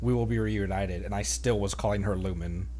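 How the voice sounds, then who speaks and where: A man streaming a game with casual, joking commentary, often repeating himself haltingly. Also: fairly low pitch, fairly even intonation, warm tone, slight background noise.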